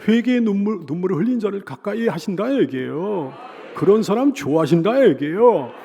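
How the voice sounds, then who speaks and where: Gravelly Korean pastor preaching. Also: male voice, sits high, lively intonation, brisk. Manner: swings between loud emphatic cries and soft hushed lines; repeats phrases with rising pleading intensity. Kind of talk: sermon.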